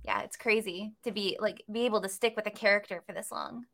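A woman's voice: mid-range voice, a little fast, fairly bright tone, rough recording. A woman voice actor on a panel, talking casually with lots of fillers. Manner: chatty, filler-heavy and enthusiastic.

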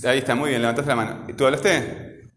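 A man's voice: mid-range voice, steady tone, brisk, fairly bright tone, slight background noise. A man teaching a classroom grammar lesson, asking questions patiently and repeating key points. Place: classroom with a voice-bouncing echo. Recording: echoey classroom with long reverb.

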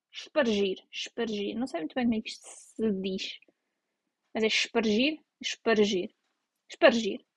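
A woman's voice: on the high side, fairly bright tone, dry recording. A young woman from Portugal with a European Portuguese accent, chatting casually and self-mockingly to her viewers. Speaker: vlogger. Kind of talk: casual chat to camera.

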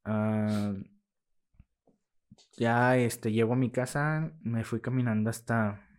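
A young man with a Mexican Spanish accent, a musician telling his own story as a podcast guest, lively and acting out what people said. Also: mid-range voice, slow. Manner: lively, acts out quoted dialogue, laughs while telling. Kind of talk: casual storytelling in an interview.

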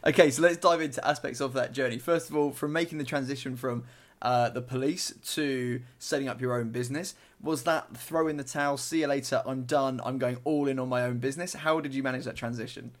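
A man's voice: medium pitch, steady tone, brisk. A man hosting a podcast, introducing his guest and asking questions in an upbeat, enthusiastic way. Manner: upbeat, enthusiastic, laughs often. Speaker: podcast host.

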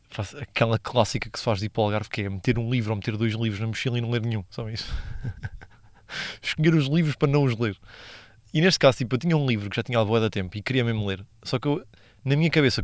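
A man's voice: on the low side, no echo. A young man with a European Portuguese accent hosting a casual solo podcast, slangy and rambling, laughing at his own stories. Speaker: podcast host.

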